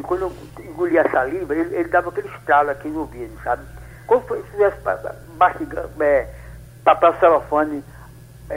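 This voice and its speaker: A man in his eighties calling in to a radio show, telling his story in a rambling, halting way with many restarts. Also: a little high, low-quality recording. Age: 80s. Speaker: caller. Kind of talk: phone-in radio call.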